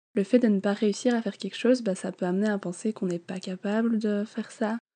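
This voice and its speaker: Her intonation stays fairly even. The woman's tone is dark and mellow. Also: quiet background. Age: 20s. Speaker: podcast host. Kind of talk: solo podcast talk.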